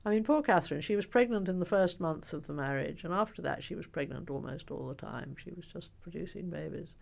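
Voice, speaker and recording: An older woman speaks with a gravelly, slightly creaky voice. She tells her story with animated emphasis and pauses on ums as she recalls details in a conversational interview. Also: on the low side. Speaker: biographer and author being interviewed.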